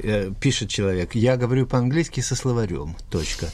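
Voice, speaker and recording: A man co-hosting a radio talk show who tells stories in a measured way and introduces the next track. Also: mid-range voice, lively intonation, darkish tone, a little hiss or hum. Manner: measured storytelling. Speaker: radio co-host.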